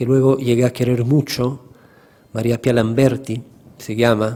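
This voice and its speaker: A man's medium-pitched voice in an Italian accent, dark and mellow in tone, fairly slow and flat, monotone in delivery. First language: Italian (speaking Spanish). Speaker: poet and writer. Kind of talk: literary reading with talk. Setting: public library event with audience.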